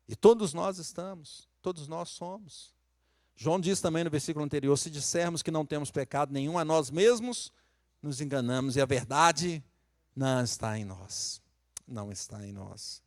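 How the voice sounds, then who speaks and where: Preaching Brazilian pastor, dry close sound. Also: male voice, medium pitch, darkish tone, no echo. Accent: Brazilian Portuguese, Minas Gerais. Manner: conversational preaching, rising to emphatic peaks. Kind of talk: sermon.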